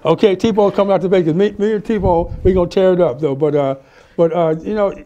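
A middle-aged man hosting a casual talk show in a small studio, animated, laughing often and stammering as he repeats words. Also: sits high, a little fast, lo-fi sound. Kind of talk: casual interview chat. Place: small studio set with city backdrop, indoors.

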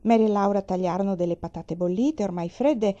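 A woman reading a children's novel aloud with calm, measured storytelling. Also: medium pitch, dull audio.

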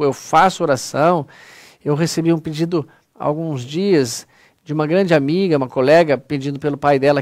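A man's voice: a little high, darkish tone, no echo, clean studio sound. A man with a Brazilian accent giving an earnest, conversational spiritist lecture online, often calling his audience "pessoal". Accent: Brazilian Portuguese.

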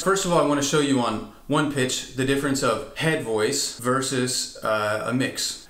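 A slightly bright, mid-range male voice belongs to a vocal coach walking through chest, mix and head voice. Every so often he breaks into sung whoops to demonstrate, and the lesson carries a roomy echo.

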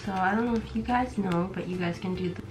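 Over background music, a young vlogger in her twenties talks quickly in a mid-range voice while showing her gifts to the camera. She has a stuffy nose and is losing her voice, and her casual unboxing chatter is full of fillers. She's filming indoors in a small bedroom lined with camera shelves.

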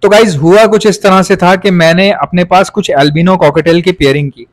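A man's voice: high voice, fairly even intonation, moderate pace, no echo. A man from Pakistan with a Pakistani Urdu accent, a pet breeder chatting casually in his vlog and repeating points for emphasis.

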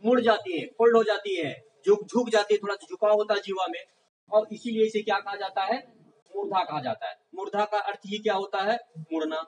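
Man, high-pitched teacher giving a classroom lecture, quizzing the class as he goes, recorded from a distance. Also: brisk. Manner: asks the class questions and answers them himself, often repeating "confirmed?". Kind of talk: classroom lecture for exam prep.

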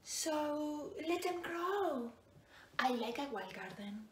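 Woman playing a slow, high-voiced prim old-fashioned wife. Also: expressive. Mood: wistful, coy. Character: prim old-fashioned wife in yellow dress, wistful, naggy. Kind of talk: comedy character monologue. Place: plain room, camera at some distance. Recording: roomy, distant, noisy home recording.

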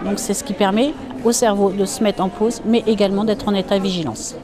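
A woman hypnotherapist explaining her practice in an interview, calm and explanatory. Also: mid-range voice, brisk. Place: busy exhibition hall. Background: crowd chatter.

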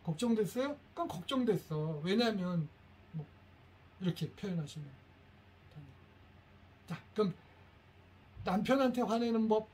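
A middle-aged man, a teacher, giving a lively workshop to parents and coaxing the audience to repeat phrases after him. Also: high-pitched, measured pace, long pauses, slightly rough.

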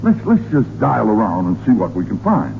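An exasperated suburban father in a 1940s radio comedy. He sputters and blusters with lively swings in pitch. The sound is narrow and phone-like with light noise. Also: normal speed, gravelly, exaggerated voice. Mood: impatient. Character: exasperated, grumbling middle-aged suburban father. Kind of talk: 1940s radio sitcom acting. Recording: tinny, noisy 1940s radio recording.

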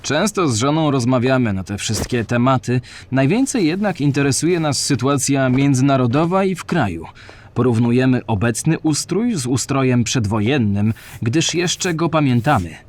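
A man's voice: medium pitch, animated, moderate pace, darkish tone, close to an everyday voice. A man playing a contented married farm worker, reading his diary aloud in a plain, earnest way.

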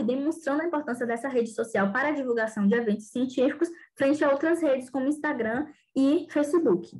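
Young woman w/ bahian reading slides on a webcam, kinda high voice, says "né" and "é" a lot. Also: poor audio. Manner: reads steadily with small hesitations and fillers. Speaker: graduate student presenting research. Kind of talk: conference slide presentation. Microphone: webcam video call.

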